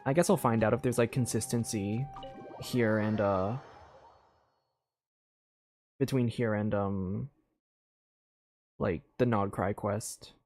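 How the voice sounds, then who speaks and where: Very low-voiced woman streamer, thinking aloud. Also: slow pace, long pauses, darkish tone, soft background music. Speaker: game streamer. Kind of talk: casual gameplay commentary.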